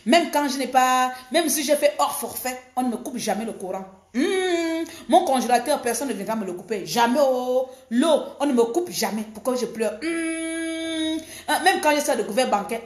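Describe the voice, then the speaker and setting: A woman from Gabon, an activist, talking fast and emphatically in a defiant political monologue. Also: high voice, lively intonation, echoey room.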